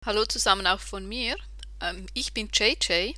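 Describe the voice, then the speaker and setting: A podcast co-host in their thirties from Switzerland, chatting in a relaxed, wry way and correcting themselves as they go. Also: mid-range voice, normal speed, dry recording. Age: 30s. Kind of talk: casual podcast chat.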